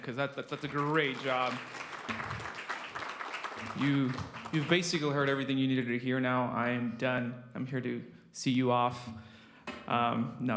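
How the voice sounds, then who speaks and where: Man in his twenties presenting, flat delivery. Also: medium pitch, slight background noise. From Mexico. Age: 20s. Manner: conversational, many fillers and restarts, self-deprecating. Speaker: state census project manager presenting. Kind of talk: conference presentation. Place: conference room.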